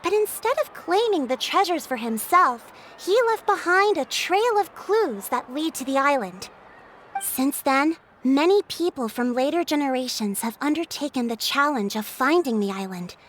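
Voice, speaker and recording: A woman playing a confident, courteous tribal chief in a video game, speaking in a measured, formal storytelling manner. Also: sits high, lively intonation, fairly bright tone, slight background noise. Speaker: game character, tribe chief. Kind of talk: scripted video game dialogue.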